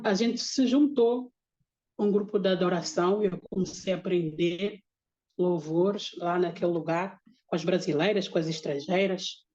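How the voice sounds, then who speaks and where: A woman's voice: mid-range voice, warm tone, dull audio. A woman missionary telling her faith testimony in an earnest, emotional way. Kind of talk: religious testimony.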